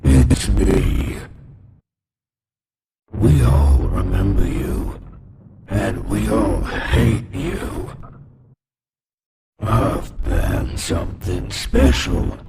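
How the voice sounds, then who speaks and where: Deep growly vengeful killer robot, horror game, really slow, noisy ambience. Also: male voice, expressive, mellow, full character voice. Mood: sinister, threatening. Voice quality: gravelly, growling. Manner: slow, threatening. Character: vengeful male burned nightmare animatronic, hateful and sinister. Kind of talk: horror game villain voice lines.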